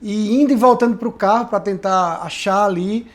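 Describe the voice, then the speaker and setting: A man's voice: high voice, moderate pace. Man, pastor, heartfelt testimony, conversational, tag questions. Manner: earnest, reflective storytelling with frequent tag questions. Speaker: pastor and podcast guest.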